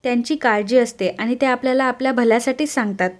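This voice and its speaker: A dutiful young woman, worried and earnest, urging her sister to listen to the elders, as a woman narrator reads her part. The voice is fairly high and pleading, read in a serial recap. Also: fast talker, lightly acted.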